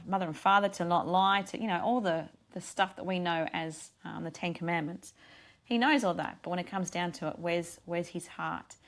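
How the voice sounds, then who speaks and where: Tired woman radio host, losing her voice. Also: lowish voice. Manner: earnest, rambling, frequent restarts. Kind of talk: casual devotional radio talk.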